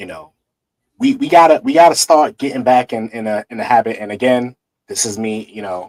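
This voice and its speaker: A man talks with a New York accent and ordinary pitch variation. The sound is dry and close, with no echo. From New York City (Brooklyn). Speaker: livestream talk show host. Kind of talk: casual chat.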